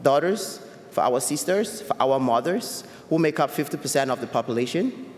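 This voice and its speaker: A young man from Cameroon giving an earnest, measured personal talk as a youth advocate, with small restarts. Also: medium pitch, animated, a little hiss or hum. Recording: echoey hall with long reverb.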